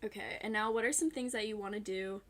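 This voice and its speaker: A young woman co-hosting a casual podcast chat, chatty and quick to laugh, with lots of "like". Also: medium pitch, fairly even intonation, fairly bright tone. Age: young adult. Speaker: podcast co-host.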